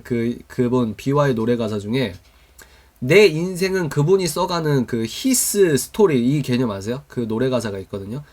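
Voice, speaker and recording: Animated man leading a call-and-response lesson. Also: mid-range voice. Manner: quizzes listeners with call-and-response questions. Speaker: youth mentor and teacher. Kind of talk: Christian youth mentoring lecture. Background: live online stream to viewers.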